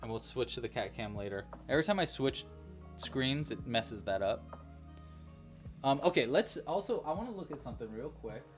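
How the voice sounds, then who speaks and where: A young man hosts a relaxed crochet livestream from a home studio, with faint music playing behind him. He talks through each round, counts stitches aloud and thanks donors in a chatty, easygoing way. His voice sits in a middle pitch. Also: moderate pace. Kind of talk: casual livestream crochet tutorial.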